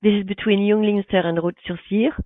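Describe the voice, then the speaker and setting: A woman's voice: mid-range voice, fairly even intonation, fairly quick, dry recording. An enthusiastic woman answering interview questions in short, emphatic bursts. Her voice comes through a tinny, phone-like remote call line, bone dry with no room sound. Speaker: guest, artist and bag designer.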